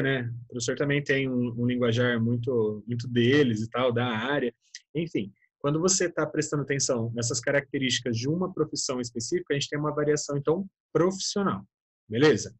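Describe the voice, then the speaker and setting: A Brazilian man in middle age gives a relaxed online class. His voice is a little husky and sits at an ordinary pitch. He talks in a loose, chatty way and keeps checking in with the students. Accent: Brazilian Portuguese. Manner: chatty, keeps adding "né?" and addressing students as "galera". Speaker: teacher. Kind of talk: casual online class lecture.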